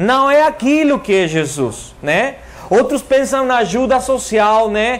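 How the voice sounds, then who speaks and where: An extremely high-pitched man's voice in a Spanish accent, very slow with lively intonation and audible room echo. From Mexico. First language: Spanish (speaking Portuguese). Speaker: pastor. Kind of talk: sermon. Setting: church convention. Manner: halting.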